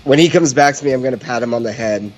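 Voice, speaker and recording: A man's voice: medium pitch, fast, faint music behind. A man playing a tabletop roleplaying game, talking casually and speaking for his character.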